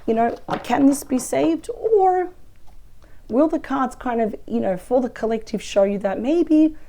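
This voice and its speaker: A woman with a weak, croaky voice from a cold, chatting through a weekly tarot reading. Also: high voice, animated, unhurried, mellow. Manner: chatty, thinks aloud over the cards. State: hoarse from a cold. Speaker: tarot reader. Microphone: close microphone.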